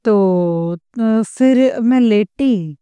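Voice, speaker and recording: An older woman giving a devotional personal testimony. She speaks haltingly, pausing often and respectfully addressing the congregation, and sounds weak after a fever. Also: on the high side, warm tone, clean tone, no room sound.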